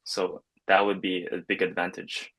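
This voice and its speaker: A man's voice: low voice, flat delivery, moderate pace, bright, forceful tone, rough recording. A young man, a nursing student, answering hesitantly with many fillers on a video call from a bedroom. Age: young adult. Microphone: video call webcam.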